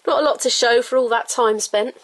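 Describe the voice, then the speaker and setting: A woman's voice: fairly high pitch, brisk, a little hiss or hum. A middle-aged woman vlogging at home, chatting casually and wryly about her own bits and pieces as she sorts through them. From living in Wales. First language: English. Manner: chatty, self-mocking, breaks into little sung notes. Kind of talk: casual vlog chat while decluttering.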